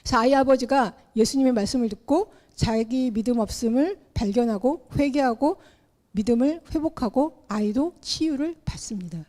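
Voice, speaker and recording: A middle-aged woman preaching a sermon in an animated way, acting out the Bible characters as she tells their story. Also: on the high side. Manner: animated, acts out the Bible characters in her telling.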